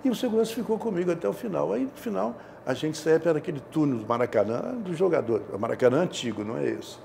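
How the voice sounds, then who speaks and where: A man's voice: a little high, expressive, fast talker, vocal fry, a little mellow, a little hiss or hum. A man in his seventies with a Rio de Janeiro Brazilian accent, telling anecdotes casually and repeating himself. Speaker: interview guest, theatre director. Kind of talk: casual anecdotal interview talk. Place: indoor studio, seated. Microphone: lapel.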